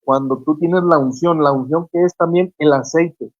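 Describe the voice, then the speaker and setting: A preacher, preaching fervently on a Christian radio show and retelling scripture stories with acted quotes. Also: female voice, deep voice, moderate pace, darkish tone, dry recording, lo-fi sound. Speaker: guest preacher on a radio program.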